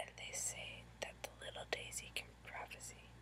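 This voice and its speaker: A soft-spoken woman's whisper at a fairly slow pace over loud background noise. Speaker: storyteller. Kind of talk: story reading. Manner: soft whispered storytelling. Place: home room. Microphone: webcam.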